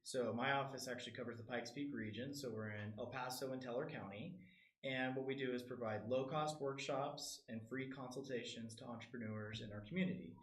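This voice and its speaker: A man's voice: mid-range voice, steady tone, brisk, roomy sound, poor audio. A man speaking as a guest in a casual panel chat, upbeat and explaining things plainly. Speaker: guest, small business center director.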